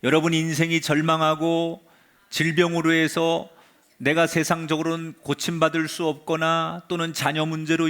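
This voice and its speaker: Korean pastor preaching a dramatic sermon. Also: male voice, on the high side. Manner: dramatic storytelling, drops to a hush at phrase ends. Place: church sanctuary.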